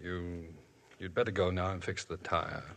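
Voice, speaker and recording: A guarded Catholic priest. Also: male voice, low-pitched, level tone, moderate pace, creaky, a bit bright, faint music behind. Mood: restrained. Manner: guarded, restrained. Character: troubled, reserved young Catholic priest. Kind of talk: 1950s radio drama acting. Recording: old 1950s radio broadcast.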